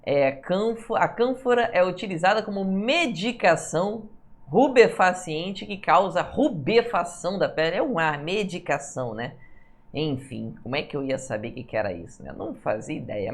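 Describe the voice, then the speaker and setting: A woman, teaching Portuguese for civil service exams and going through answers, often checking in with her students and drawing words out when she stresses a rule. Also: fairly low pitch. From Brazil. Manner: lively, stretches words slowly when stressing a rule, asks "tá, pessoal?". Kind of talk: online exam-prep lesson going through answers.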